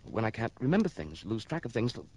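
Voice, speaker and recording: A man's voice: on the low side, sing-song, fast talker, darkish tone, poor audio. An actor playing a nervous, stammering man in his thirties in a 1960s radio drama. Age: 30s. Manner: stammering, jittery, repeating words. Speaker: client's brother.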